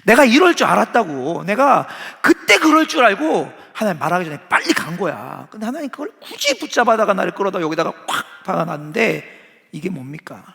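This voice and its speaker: A man's voice: high-pitched, big pitch swings, a little fast, vocal fry, sharp tone, voice pushed up, full character voice. A male pastor acting out an exasperated adult prophet who is complaining to God, in a pleading, indignant tone. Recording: long church-hall reverb.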